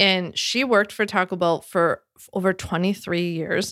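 This voice has a Philadelphia accent and fairly even intonation. The sound is dry and close with no echo. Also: woman, very clean recording, silent background. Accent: Philadelphia, run-together words. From US Northeast, Philadelphia. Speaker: podcast host and attorney. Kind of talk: casual solo podcast talk.

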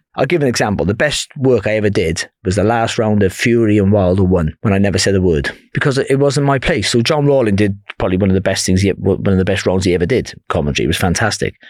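Lively intonation marks a man's fairly low-pitched voice in a Welsh accent. He goes at a very fast pace with hardly any pauses and very even loudness. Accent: Welsh (Cardiff) English. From Wales. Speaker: former boxer and boxing pundit. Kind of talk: casual interview. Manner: fast talker; talkative.

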